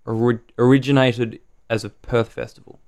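A man in his thirties, a podcast co-host telling stories in relaxed casual chat, swearing now and then. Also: mid-range voice, normal speed.

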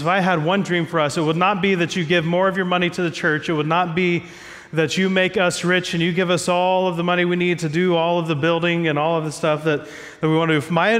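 A man's voice: high voice, a bit bright, big-room sound. A man preaching a sermon as pastor, stuffy from a cold, talking in a conversational, self-joking way from a church stage.

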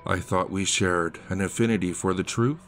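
A man voicing a smooth, eerie male street illusionist who talks softly and coaxingly in a horror story reading. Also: deep voice, fairly even intonation, normal speed, faint music behind. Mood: wounded.

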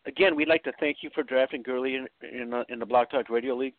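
A man on a sports radio panel giving his analysis in a halting way, often restarting and repeating words. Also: medium pitch, fairly even intonation, dry recording. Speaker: fantasy football panelist. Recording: dry, phone-like narrow band.

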